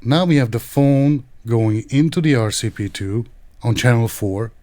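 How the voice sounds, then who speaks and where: Guy doing a tech how-to, precise and explanatory, average pitch, super dry studio sound. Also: measured pace, darkish tone, no room sound. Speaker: tech reviewer and tutorial presenter. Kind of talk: instructional tech tutorial narration.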